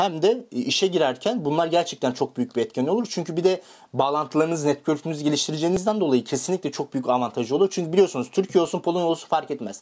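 The man's fairly high voice moves at a very fast pace, with hardly any pauses and lively intonation. The recording is very clean, with a silent background. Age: 20s. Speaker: mechanical engineer and YouTuber. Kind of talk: vlog talk to camera. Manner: hesitant with many fillers.

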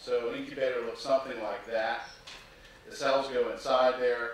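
The speech moves at a moderate pace in strong room echo, with light background noise. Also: man. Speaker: conference speaker. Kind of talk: lecture. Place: hall.

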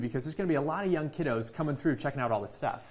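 A man with lively intonation. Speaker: TV reporter. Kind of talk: live TV interview host talk. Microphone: handheld.

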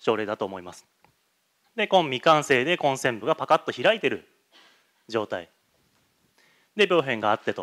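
A man at medium pitch with very wide pitch swings, big swings in loudness and long, frequent pauses, against a quiet background. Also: moderate pace. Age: 30s. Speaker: endodontist lecturer. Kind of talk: lecture. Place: hall. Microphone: handheld.

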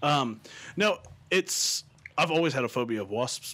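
A man talks with noticeable vocal fry. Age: 20s. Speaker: podcast host. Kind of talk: casual chat. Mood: joking, animated storytelling. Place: home room. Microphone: studio mic.

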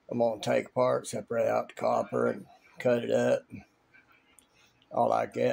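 This man speaks at a fairly slow pace. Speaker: hobby vlogger. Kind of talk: casual vlog chat. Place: home room. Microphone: phone near.

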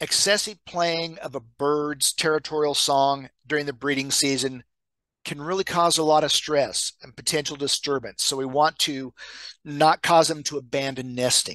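Against a quiet background, a man with a Midwestern American accent speaks at a moderate pace, his fairly high pitch, bright, sharp tone and fairly even intonation heard in a dry sound with no echo. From US Midwest. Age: 60s. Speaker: birder and naturalist, retired extension agent. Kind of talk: webinar presentation. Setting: video call. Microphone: webcam.

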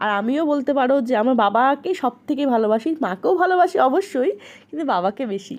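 A woman speaks in a high voice that swings very widely in pitch. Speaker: vlogger. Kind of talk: casual vlog talk to viewers.

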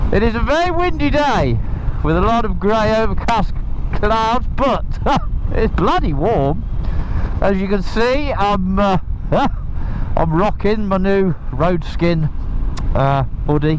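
Noticeable background noise sits behind a man speaking fairly slowly with lively intonation, in a dry sound with no echo. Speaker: motorcycle vlogger. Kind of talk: casual vlog chat. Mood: cheerful, enthusiastic. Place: motorbike. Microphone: helmet.

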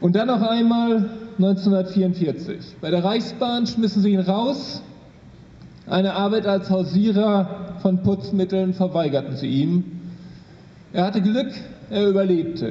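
With audible room echo, a man speaks at a high pitch and a very slow pace, pausing long and often, with ordinary pitch variation. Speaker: trade union official. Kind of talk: public speech. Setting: outdoor rally. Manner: impassioned. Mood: serious, historical remembrance. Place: street. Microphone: podium.

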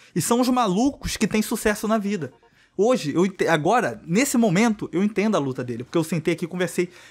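A man talks at a very fast pace in a high pitch with lively intonation. Music can be heard in the background. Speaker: gaming YouTuber. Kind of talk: casual monologue to camera, video-blog style. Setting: YouTube video recorded alone.

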